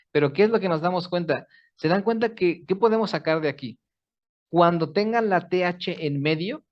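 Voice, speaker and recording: A man's voice: on the high side, muffled recording. A man teaching pronunciation in an online class, explaining patiently step by step and checking in with his students. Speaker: English teacher.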